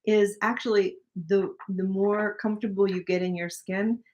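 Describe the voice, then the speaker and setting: An older woman co-hosting a live stream, chatting casually and plugging the show with upbeat, warm-hearted energy. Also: medium pitch, level tone, moderate pace. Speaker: livestream co-host. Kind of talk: casual livestream chat.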